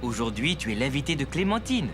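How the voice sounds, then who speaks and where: A man playing a gentle, easygoing young father in a French children's cartoon dub. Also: medium pitch, big pitch swings, a little fast, noisy background, lightly acted. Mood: gentle, cheerful.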